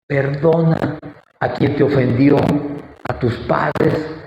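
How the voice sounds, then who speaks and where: A man preaching a sermon and leading prayer, fervent and unhurried, with long pauses. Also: mid-range voice, fairly even intonation, gravelly, a little mellow, highs cut off. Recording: echoey hall with faint noise.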